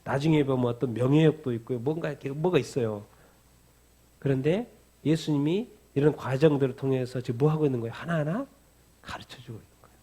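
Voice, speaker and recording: A male pastor delivering a sermon, lively and conversational, firing off rhetorical questions and acting out the disciples' anger. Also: medium pitch, fairly quick.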